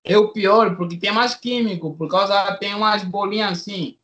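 A young man, telling a story casually in slangy, halting speech with many restarts. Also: high voice, fairly even intonation, a bit bright, a little hiss or hum. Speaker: interviewee.

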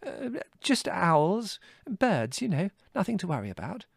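A man voicing a middle-aged mother in an audiobook, gentle and fond, fussing and soothing but firm. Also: medium pitch, very animated, brisk, vocal fry, no echo, studio quality, pitched above the performer's own voice. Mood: flustered. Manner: hesitant, soothing, fond protests. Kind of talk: audiobook character dialogue.

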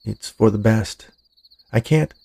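A man voicing a gentle, self-sacrificing young man in love, in a narrated story, with a hesitant manner. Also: fairly low pitch, takes it slowly, vocal fry, heavily acted. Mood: sorrowful. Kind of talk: storybook character dialogue in narration.

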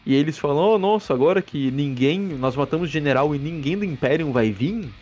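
A man's voice: on the high side, animated, brisk, darkish tone. A man with a Brazilian Portuguese accent hosting a casual movie review podcast, sarcastic and profane, rambling with restarts. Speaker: podcast host. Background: faint background music.

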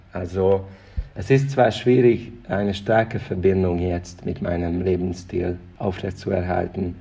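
Deep gravelly man. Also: dark tone. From Hungary. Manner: earnest, repeats words while searching for phrasing. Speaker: interviewee. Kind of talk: thoughtful personal interview answers.

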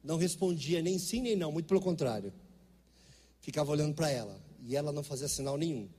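A middle-aged Brazilian pastor with a Brazilian Portuguese accent preaches in a church, his voice filling a big room. His pitch sits fairly high, and his delivery is quick, expressive and warm with a breathy edge. He tells stories in an emphatic, conversational way.

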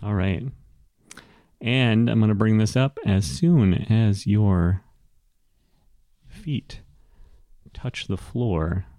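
A man acting as game master, improvising narration and chatting casually, often pausing to find his words. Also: on the low side, lively intonation, warm tone, no room sound, studio quality. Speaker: game master and show host.

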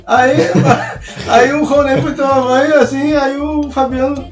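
Man, 30s, animated crude storyteller, swearing, roomy and off-mic, music behind. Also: very high-pitched, measured pace, distant mic. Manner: animated, swearing storyteller who acts out scenes. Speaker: podcast co-host telling a story. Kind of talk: casual chat, comic anecdote.

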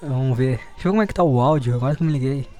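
A man's voice: mid-range voice, racing, mellow. Sarcastic, profane young man commenting on news. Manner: profane, sarcastic, laughs often. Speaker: streamer reacting to news. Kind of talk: casual commentary while reading news aloud. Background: faint music playing.

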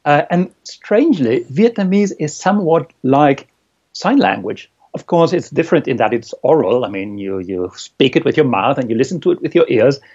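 A thoughtful man speaking as an in a conversational interview. His voice is mid-pitched and he pauses to search for words. The recording is slightly dull and lo-fi. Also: animated, darkish tone, husky. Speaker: interviewee, language learner.

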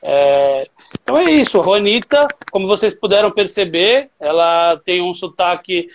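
This is a man with a fairly high voice hosting a casual live stream. He is chatty and warm, laughs often and pads his talk with fillers. The stream audio sounds dull and lo-fi. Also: lively intonation, moderate pace. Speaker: host of a travel-trade live stream.

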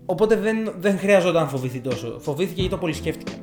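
A young man co-hosting a casual talk show, animated and swearing casually, who often talks over his partner. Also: high voice. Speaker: podcast co-host. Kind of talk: casual chat about rap music. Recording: music playing behind the voices.

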